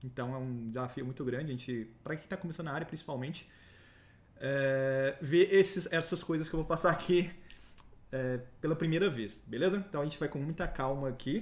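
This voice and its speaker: A man with an unremarkable speaking voice and a fairly high pitch talks at a fairly quick pace with ordinary pitch variation. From Minas Gerais, Brazil (Betim); Minas Gerais, Brazil. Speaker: network engineering instructor. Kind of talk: live online lecture. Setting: live stream. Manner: casual, slangy. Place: home room.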